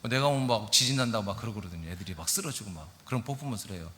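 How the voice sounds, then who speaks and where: A man's voice: lowish voice, racing, a little hiss or hum. Man preaching in a ringing church hall. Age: middle-aged. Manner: lively preaching, asks the congregation questions. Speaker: pastor. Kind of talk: sermon. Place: church sanctuary.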